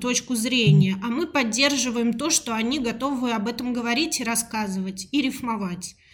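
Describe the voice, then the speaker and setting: A woman's high-pitched voice rises and falls with lively intonation. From Moscow, Russia. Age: 30s. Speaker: poetry collective organizer and marketing director. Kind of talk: casual chat.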